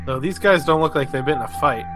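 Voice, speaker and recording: Male roleplayer with a fairly high voice, breezy and informal, joking delivery over clear music. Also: fast talker. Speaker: tabletop game player. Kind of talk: casual, joking in-character roleplay. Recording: loud music bed behind the voice.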